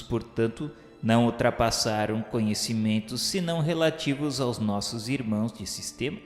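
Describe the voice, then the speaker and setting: Solemn Brazilian male narrator, cavernous reverb. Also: mid-range voice. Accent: Brazilian Portuguese. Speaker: narrator of a radio novel. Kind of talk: solemn dramatic scripted narration. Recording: very echoey hall reverb over music. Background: background music.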